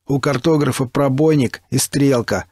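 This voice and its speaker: A man voicing a scornful, menacing male stalker who speaks slowly and with contempt. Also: medium pitch, darkish tone, no echo, clean studio sound, pitched above the performer's own voice, close to an everyday voice. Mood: explaining. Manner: slow, drawn-out, contemptuous.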